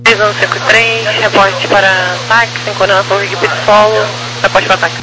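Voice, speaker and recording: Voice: medium pitch, level tone, fairly quick, over music. A Brazilian airport tower controller giving clipped air traffic instructions over an aviation radio. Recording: noisy humming aviation radio transmission.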